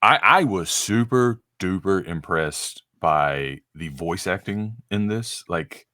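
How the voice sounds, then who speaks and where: A man with a fairly low voice co-hosts a casual review chat. He sounds eager and excited, stumbling over his words and repeating himself. The sound is dry and close, with little room around it. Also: takes it slowly, dry recording. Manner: eager, stammering, with many fillers. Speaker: podcast co-host.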